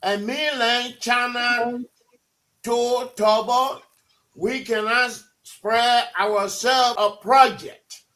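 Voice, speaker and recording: Man, Liberian English accent, radio debate guest, insistent, repeats himself, high-pitched, crisp bright tone. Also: fairly even intonation, extremely slow, poor audio. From Liberia, Maryland County. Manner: insistent, repeats words while holding the floor. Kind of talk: heated live radio debate. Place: radio studio.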